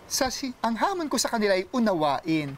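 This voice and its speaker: A man with a Filipino accent, a priest guest on a cooking show, talking in an animated, casual way and mixing in English. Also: high-pitched, a little fast, slight background noise. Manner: animated, switches between Tagalog and English, mimics voices in anecdotes.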